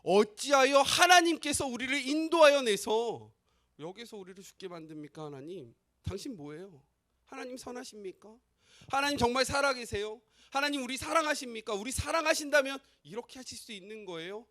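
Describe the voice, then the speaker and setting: A man's voice: very high-pitched, animated, a little fast, pushed and bright, voice pushed up, heavily acted. A man voicing an angry, grumbling crowd of ancient Israelite men who bitterly accuse their leaders and God. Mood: bitter questioning.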